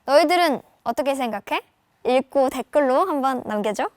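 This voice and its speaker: A woman's voice: sits high, moderate pace, no echo. A young woman reviewing a novel for viewers in a playful, casual tone, talking to them like friends. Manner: playful, lively, speaks in casual banmal to viewers. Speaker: book reviewer and reading tutor.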